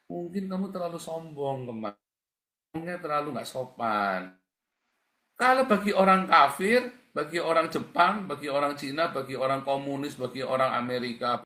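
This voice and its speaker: A man's voice: mid-range voice, sharp tone. A man preaching a livestreamed sermon as a pastor, in a conversational, blunt and colloquial way, often calling his listeners brothers and sisters. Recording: echoey room.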